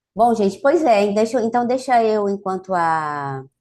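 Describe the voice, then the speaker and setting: A woman with a Paraíba accent speaks at a fairly slow pace, her pitch swinging very widely. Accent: Paraíban (northeastern Brazilian). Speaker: business mentor. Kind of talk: lecture.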